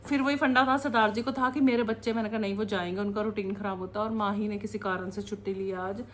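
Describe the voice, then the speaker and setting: A woman's voice: mid-range voice, fairly even intonation, fast. Mom in her 30s rambling in her kitchen vlog, laughs a lot, bit of faint room noise. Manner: chatty, rambling, laughs often. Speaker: vlogger, mother. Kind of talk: casual home vlog chat. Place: home kitchen.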